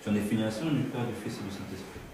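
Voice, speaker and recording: Audience man, measured questioner; low voice, faint noise behind. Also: mellow. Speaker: audience member asking a question. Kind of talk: formal question from the floor. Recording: echoey room, far from the mic, faint noise.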